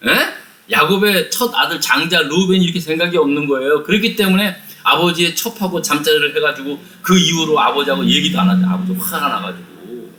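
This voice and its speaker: A man teaching a lively Bible study, retelling the story with many rhetorical questions and addressing his listeners directly. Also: fairly high pitch, fairly quick.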